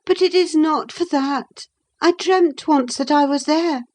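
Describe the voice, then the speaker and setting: A woman's voice: sits high, unhurried, voice pushed up. A woman reading a passionate, moody young woman in an audiobook, speaking in an impassioned, emphatic way. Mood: wistful. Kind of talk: audiobook character voice.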